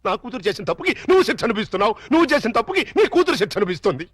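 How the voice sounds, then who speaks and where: A man's voice: sits high, big pitch swings, rapid-fire, breathy edge, full character voice. A flustered old father-in-law. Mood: earnest pleading. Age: older. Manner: blustering, pleading then bargaining. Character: anxious older man, father-in-law and moneylender. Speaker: film character, grandfather. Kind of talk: film comedy acting.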